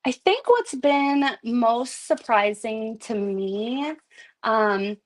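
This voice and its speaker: A woman's voice: a little high, expressive, drawn-out words. A woman talking as a guest Reiki master teacher in a casual podcast conversation, chatty and full of "like" fillers. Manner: chatty, heavy use of "like" fillers.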